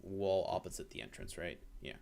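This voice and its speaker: A man's voice: deep voice, lively intonation, brisk, creaky, warm tone. Hesitant man narrating as dungeon master. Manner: hesitant, many fillers and restarts. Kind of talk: narrating a tabletop game.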